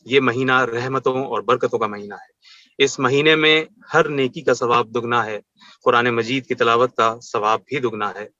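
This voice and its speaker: A man hosts a religious television talk show in a bright, forceful voice. He speaks with formal courtesy and heaps honorifics and blessings on his guest. The sound is dry and a little dull. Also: medium pitch, dry recording. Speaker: TV show host.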